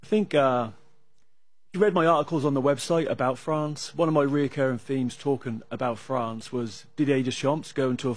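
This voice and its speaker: English man breaking down soccer tactics. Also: medium pitch. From England. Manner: measured, analytical, with frequent uh fillers. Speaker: soccer analyst. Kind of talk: sports talk discussion.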